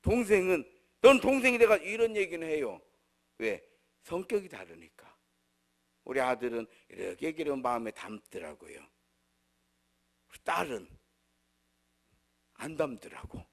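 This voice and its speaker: A man preaching with a high-set, very lively voice that climbs and falls across a wide range. His delivery swings between raised declarations and quiet, low asides. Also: unhurried, vocal fry, long pauses. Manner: animated preaching, from loud to soft and low. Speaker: pastor. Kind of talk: sermon.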